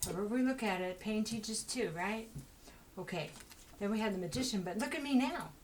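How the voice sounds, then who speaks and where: Woman tarot reader, casual and rambling, quick delivery, mid pitch, faint background hiss. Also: animated, low-quality recording. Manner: fast, rambling, conversational with many fillers. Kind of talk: casual tarot reading monologue.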